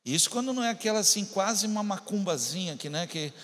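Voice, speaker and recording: A man's voice: high-pitched, lively intonation, fast talker, fairly bright tone, in a large hall. A man preaching a sermon, talking straight to his congregation and building intensity. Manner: preaching with rising intensity, addressing the congregation directly. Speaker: pastor.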